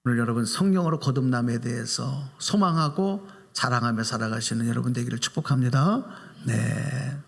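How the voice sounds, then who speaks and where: The pastor's voice here sits at a medium pitch with a gravelly texture. He preaches a Sunday sermon with animation in the church sanctuary, asking the congregation questions as the reverberant hall echoes around him.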